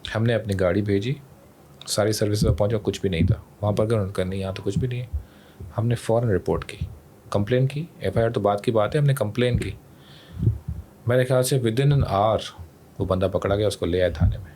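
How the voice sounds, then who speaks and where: A man with a Pakistani accent speaks in a fairly low voice as an official explaining his work in an interview. He drops English words and phrases into his sentences. Some noise can be heard behind him. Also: a little fast, warm tone. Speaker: emergency rescue service official, interview guest. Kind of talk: explanatory podcast interview talk. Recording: clear background noise.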